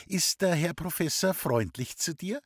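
A man voicing a touchy, tearful young sister in a storybook reading, with a high, shrill, weepy delivery. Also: lively intonation, unhurried, husky, dry recording, clean studio sound. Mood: sweet.

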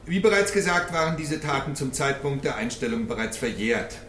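A man's voice: medium pitch, lively intonation, fairly quick, fairly bright tone, roomy sound, slight background noise, close to an everyday voice. An actor playing a pedantic male defense lawyer who argues at length and indignantly in court. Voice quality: verbose, argumentative, indignant. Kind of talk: radio drama acting.

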